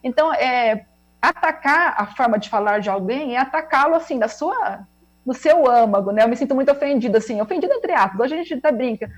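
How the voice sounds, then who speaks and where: A researcher and teacher trainer from the interior of São Paulo state, Brazil, gives a reflective, explanatory web conference talk over a video call, her caipira R rolled. Her high voice is animated and fairly quick, and the recording quality is low.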